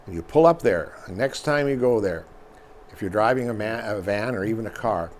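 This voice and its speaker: A man's voice: on the low side, expressive, brisk, slight background noise. An older man, co-hosting a local news show, explaining things in a folksy, step-by-step way while losing his voice. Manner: folksy, talks step by step through everyday examples. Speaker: newspaper publisher co-hosting a news talk show. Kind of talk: casual conversational explanation.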